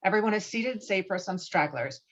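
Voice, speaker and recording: Female stage-directions narrator, medium-pitched, scripted delivery, dull remote-call recording. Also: lively intonation, brisk, fairly bright tone.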